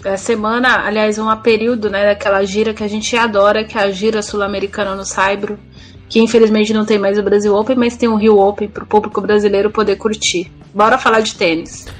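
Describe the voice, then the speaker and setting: A woman's voice: medium pitch, level tone, a little fast, faint music behind. A woman with a Brazilian accent giving casual sports commentary on a podcast.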